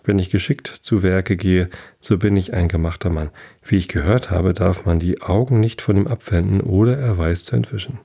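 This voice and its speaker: Man as a greedy young farmhand in a storybook, low dark voice, eager. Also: moderate pace, creaky. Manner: eager, wheedling questions.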